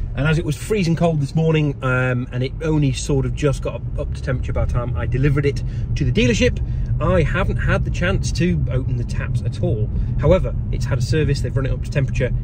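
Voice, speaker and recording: A man at a very fast pace, dry sound with no echo, noticeable background noise. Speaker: car reviewer. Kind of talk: casual vlog chat. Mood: upbeat, enthusiastic. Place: car. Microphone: phone near.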